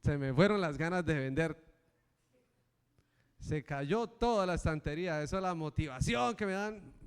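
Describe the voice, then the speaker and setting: A middle-aged male preacher giving a sermon and telling a personal story with animated, acted-out voices. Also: a little high, moderate pace, clean tone. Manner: animated storytelling, acting out the characters. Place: church. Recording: reverberant church hall.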